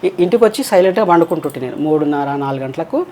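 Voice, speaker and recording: Expressive and racing, this slightly mellow mid-range voice comes from a transgender interviewee with a Telangana Telugu accent. The guest tells rambling personal stories in a casual storytelling style, acting out the quoted voices.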